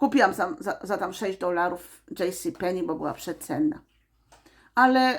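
The recording is very clean, with a silent background. A woman speaks at medium pitch with very wide pitch swings. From Poland. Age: 50s. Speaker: vlogger. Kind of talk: casual monologue. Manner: halting.

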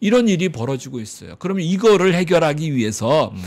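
A man's voice with very wide pitch swings. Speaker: medical school professor. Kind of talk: interview discussion. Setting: studio.

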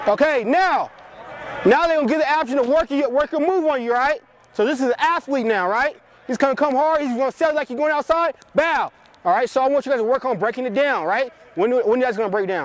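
A man talks at a very fast pace with lively intonation. The sound is dry, with no echo. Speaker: football coach. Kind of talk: coaching instructions. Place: stadium. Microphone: lapel.

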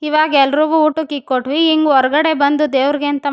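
The background is silent and the recording very clean. The speaker is a woman. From rural Karnataka, near Doddaballapur. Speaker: vlogger. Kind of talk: vlog narration.

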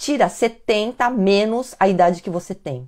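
A woman's voice against a quiet background. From Brazil, São Paulo. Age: 40s. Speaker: time management consultant; time management coach. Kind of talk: live stream talk; live stream talk, advice. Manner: hesitant with fillers. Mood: warm, friendly. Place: home room. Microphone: lapel.

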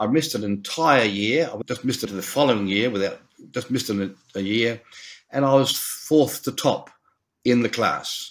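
Spoken with an Australian accent, this voice moves at a moderate pace with ordinary pitch variation. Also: man. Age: 70s. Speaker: leadership consultant and trainer. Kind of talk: interview. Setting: video call. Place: home room. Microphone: webcam.

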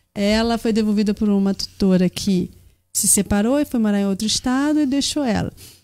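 Over faint music in the background, a woman speaks at a fairly quick pace with a fairly high pitch, ordinary pitch variation, and very even loudness. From Rio de Janeiro, Brazil. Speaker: pet show host. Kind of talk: talk show interview. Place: studio. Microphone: studio mic.

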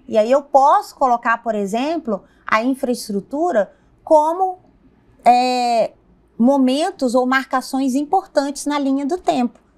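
This woman has a high-pitched voice with lively intonation. She talks at a fairly slow pace. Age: 40s. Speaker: teacher. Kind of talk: lecture. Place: studio. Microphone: lapel.

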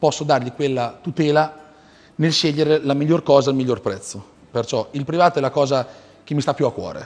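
A man speaks with a fairly high pitch at a moderate pace. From Italy, Marche (Fano); Marche, Italy. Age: 30s. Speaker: heating systems business owner; guest. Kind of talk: interview. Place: studio. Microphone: lapel.

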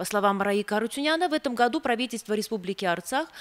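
A woman's fairly high voice, fairly quick, with very wide pitch swings. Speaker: radio news presenter. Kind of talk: news reading. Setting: radio studio. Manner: formal. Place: studio.

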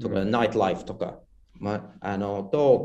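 This man, with a non-native accent, has a dark, mellow tone and a fairly low pitch. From outside Japan. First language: not Japanese (speaking Japanese). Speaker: expat information publisher. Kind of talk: casual chat. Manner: hesitant with many fillers.

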